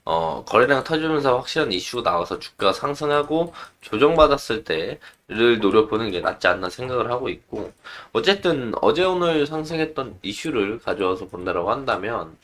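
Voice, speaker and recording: Man with lively, swinging intonation, explaining charts. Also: medium pitch, moderate pace, hardly any pauses. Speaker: stock analyst presenter. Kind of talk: informal stock chart commentary.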